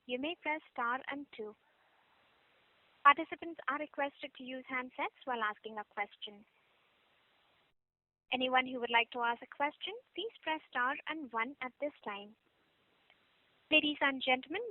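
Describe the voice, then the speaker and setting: A woman operator gives formal, scripted instructions to callers. Her high voice sounds dry and close. It comes through a narrow, tinny phone line. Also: moderate pace, no echo. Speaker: conference call operator. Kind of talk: scripted call moderation.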